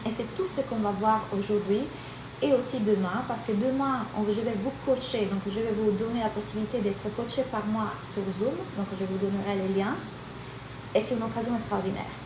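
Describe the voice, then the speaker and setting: A woman's voice: medium pitch, fairly even intonation, brisk. A woman from Italy with an Italian accent, a life and business coach speaking energetically and directly to viewers in a live-streamed masterclass. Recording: echoey room with background noise.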